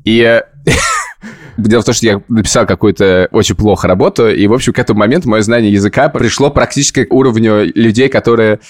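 A man's voice: fairly low pitch, lively intonation, quick pace. A man hosting a podcast, chatting casually and telling long, self-ironic stories. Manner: rambling, self-ironic storytelling. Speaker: podcast host.

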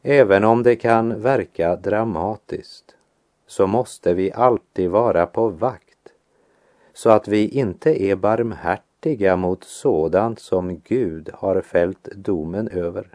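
A man reading a devotional teaching aloud in an earnest, measured preaching manner. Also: fairly low pitch, darkish tone, no room sound, clean studio sound. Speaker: devotional speaker.

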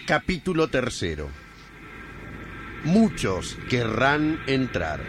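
A man's voice: mid-range voice, huge pitch swings, slow, background noise. A man reading scripted chapter announcements for a radio drama.

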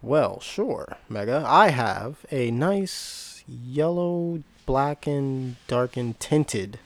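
A man's voice: mid-range voice, animated, drawn-out words, no room sound. A man guesting on a podcast, easygoing in casual chat.

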